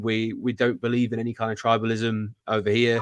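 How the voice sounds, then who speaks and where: The sound is dry and close with no echo as a man speaks at medium pitch. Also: quiet background. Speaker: wrestling channel host. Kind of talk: casual chat. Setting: live stream.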